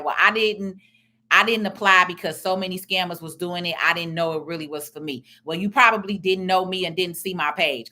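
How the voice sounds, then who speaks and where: A middle-aged woman with a loud voice and a confident, blunt way of talking, giving social media commentary as a tax and business strategist. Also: fairly low pitch. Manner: confident, emphatic, plain-spoken.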